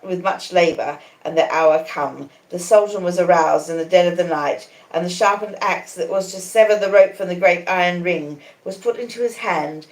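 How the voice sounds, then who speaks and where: An Australian woman narrating a classic novel with deliberate, dramatic storytelling. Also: fairly low pitch, a little mellow. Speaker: reader, comedian. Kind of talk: live audiobook-style literary narration. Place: conservatory in a small cottage. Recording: echoey, reverberant room.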